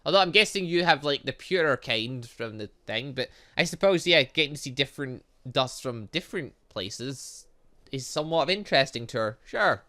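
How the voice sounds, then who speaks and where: A man's voice: mid-range voice, animated, moderate pace, pushed and bright. A man doing chatty, rambling let's play commentary as a gaming host, breaking into playful sing-song interjections. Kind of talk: let's play commentary, reading game dialogue aloud.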